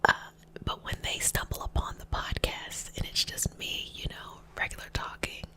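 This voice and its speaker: A woman speaking in a breathy, unvoiced whisper, giving gentle, encouraging ASMR talk as a host and energy healer. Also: moderate pace.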